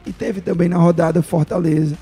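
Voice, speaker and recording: A man with a Northeastern Brazilian accent from Ceará hosts a casual live sports chat, his voice hoarse and raspy like a smoker's. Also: fairly high pitch, fairly even intonation, brisk, mellow, soft background music. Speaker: sports podcast host.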